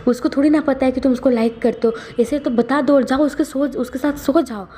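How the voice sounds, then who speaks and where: A lazy, teasing young man in a fan story , put on by a woman in her natural voice, waving off complaints with a dismissive drawl. The tone is mellow and a touch high. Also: steady tone, a little fast, lightly acted. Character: teasing laid-back young man, tired.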